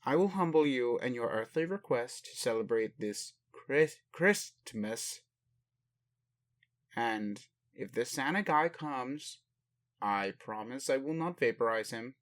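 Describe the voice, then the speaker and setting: An ancient alien father, acted by a man in a roleplay audio, talks at a slow, deliberate pace in a mid-range male voice. He phrases things formally and pauses often, doting on his human while puzzled by earthly ways. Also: mid-range voice, expressive. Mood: doting, solemn. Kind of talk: roleplay audio addressed to the listener.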